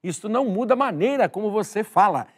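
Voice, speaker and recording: A man's voice: high voice, expressive, fast talker, slightly rough. A man teaching a recorded exam-prep grammar lesson, emphatic, repeating key words and speaking straight to the viewer.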